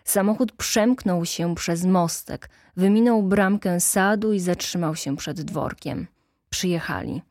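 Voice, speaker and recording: A woman narrating an audiobook in a calm, measured way. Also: on the low side, no echo, clean studio sound. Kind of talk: audiobook reading.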